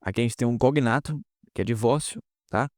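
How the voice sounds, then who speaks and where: A man's voice: medium pitch, a little fast, darkish tone, no room sound, studio quality. A man teaching English pronunciation in a casual online lesson, explaining step by step and often checking in with students.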